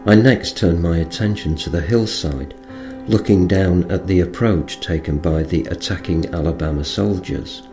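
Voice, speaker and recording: A man's voice: deep voice, normal speed, few pauses, music in the background. A man reading a first-person account aloud as scripted narration. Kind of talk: scripted audiobook-style narration.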